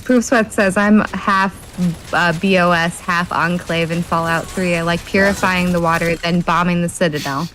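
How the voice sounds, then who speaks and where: A woman with a flat Midwestern accent reading viewer comments aloud in a gaming chat. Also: lowish voice, a little hiss or hum, poor audio. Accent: Midwestern American. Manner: flat, unhurried delivery.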